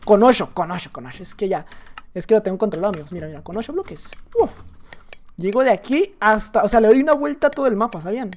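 A man with a Mexican Spanish accent giving excitable, joking gameplay commentary as a YouTuber, rambling asides to his viewers. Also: high-pitched, quick pace. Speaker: gaming YouTuber.

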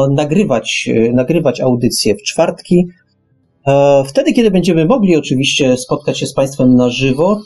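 A man of medium pitch with a somewhat rough, husky voice co-hosts a radio show. He talks casually and haltingly, often repeating a phrase before carrying on. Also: a little mellow.

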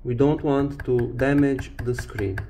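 A man presenting a hands-on repair tutorial, explaining step by step in short, halting phrases. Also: medium pitch, fairly even intonation, mellow, slight background noise. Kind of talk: hands-on instructional demonstration.

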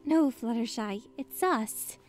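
A woman's voice: fairly high pitch, lively intonation, takes it slowly, darkish tone, soft background music. A woman doing a fond, cooing pony friend. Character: warm, motherly young female pony friend.

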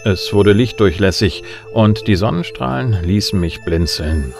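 An actor playing a cocky middle-aged bounty hunter who flirts smoothly and narrates wryly in a sci-fi audio drama. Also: male voice, on the low side, animated, unhurried. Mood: wry, laconic. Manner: wry, laconic. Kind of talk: first-person noir narration and dialogue in German sci-fi audio drama. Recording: music behind the voice.

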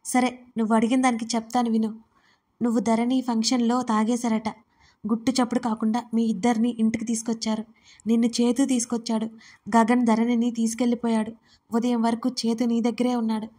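Smug, chatty young gossip, teasing and pleased with herself, voiced by a woman storyteller, slightly high. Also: level tone, brisk, mellow, natural voice. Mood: gleeful.

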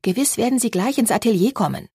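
A woman voicing a calm, sensible young woman in an audiobook, with a breathy voice. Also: fairly high pitch, fast, dry recording, clean studio sound, voice pushed up, exaggerated voice.

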